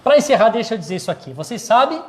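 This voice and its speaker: A man's voice: very high voice, very animated, racing, a bit bright, slight background noise. A man preaching in Portuguese, telling a personal testimony with many restarts and repetitions. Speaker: pastor. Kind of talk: sermon testimony.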